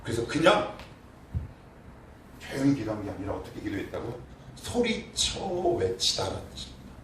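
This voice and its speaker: Animated pastor preaching in an echoey church. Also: male voice, medium pitch, moderate pace. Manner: animated, asks the congregation questions, shouts acted prayers. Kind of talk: sermon. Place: church sanctuary. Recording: echoey church room, from far off, faint noise.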